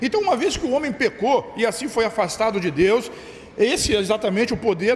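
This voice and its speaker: A man speaks over noticeable background noise. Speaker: preacher. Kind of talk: sermon. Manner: animated.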